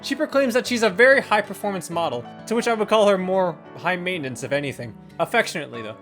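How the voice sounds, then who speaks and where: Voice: medium pitch, lively intonation, fast, fairly bright tone. A video reviewer reading a scripted first-impressions narration in an enthusiastic, opinionated manner. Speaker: video game reviewer and host. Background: guitar and instrumental music.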